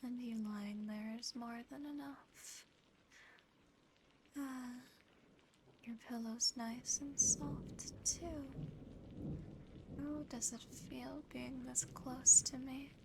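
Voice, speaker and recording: A woman playing a seductive, possessive female sleep paralysis demon in a teasing, breathy ASMR whisper, close to the microphone. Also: high voice, steady tone, darkish tone, slight background noise, heavily acted, rough recording. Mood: intimate, curious. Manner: slow, breathy whispering, teasing, lingering pauses.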